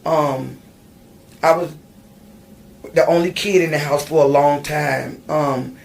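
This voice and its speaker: Gravelly-voiced woman telling her story. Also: sits low, steady tone, slow, darkish tone. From Virginia, USA. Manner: hesitant, many ums and restarts. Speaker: guest. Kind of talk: personal storytelling in an interview. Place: podcast studio.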